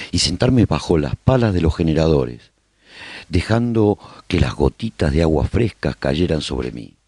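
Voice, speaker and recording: A survivor telling his story on a radio drama, husky, reflective, very close dry sound, melodic delivery. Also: low voice, dark tone, dry recording, full character voice. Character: male survivor broadcasting calm recollections of post-apocalyptic colony life. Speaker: narrator of a radio serial. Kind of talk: scripted first-person radio drama narration.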